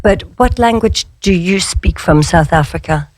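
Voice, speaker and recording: A woman's voice: on the low side, lively intonation, moderate pace, no room sound. A woman hosting a conversational English-lesson radio show, chatty and inquisitive, asking questions in simple, reassuring phrases. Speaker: radio host and English teacher.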